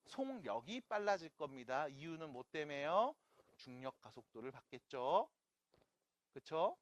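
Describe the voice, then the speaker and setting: Lively math teacher, checking in often. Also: mid-range voice, a little slow, no room sound. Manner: keeps checking in with rhetorical questions; playful asides to the viewers. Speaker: math lecturer. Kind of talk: online math lecture.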